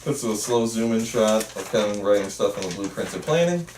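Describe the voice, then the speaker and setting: A man's voice: lowish voice, expressive, brisk, a little mellow. A man reading screenplay stage directions aloud at a table read, recorded at a distance in a roomy, slightly noisy space. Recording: roomy, faint noise, distant mic.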